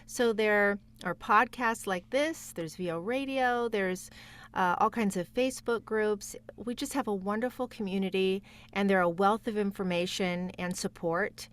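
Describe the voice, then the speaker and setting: A woman speaks as a guest in a casual podcast interview. Her voice sits at an average pitch for a woman. She is encouraging and talks directly to her listeners, in the easy conversational way of a working voice actor. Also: a little slow.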